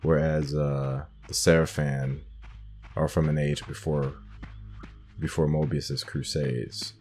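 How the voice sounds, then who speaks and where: A man's voice: very deep voice, level tone, slow pace, a little mellow, faint music behind. A man giving casual gameplay commentary as host of a playthrough, hesitant and thinking aloud. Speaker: gamer hosting a playthrough.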